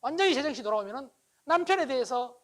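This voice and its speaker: A man giving a humorous lecture to a live audience, animated and teasing, often acting out dialogue. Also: very high-pitched, rapid-fire.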